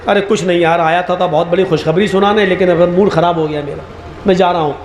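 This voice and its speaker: A man's voice: sits high, fairly even intonation, quick pace, a little hiss or hum, voice pushed down, close to an everyday voice. A man voicing a grumbling male disciple who complains to his spiritual guide in a told joke. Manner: grumbling, deflated. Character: glum, sulking male disciple of a holy man.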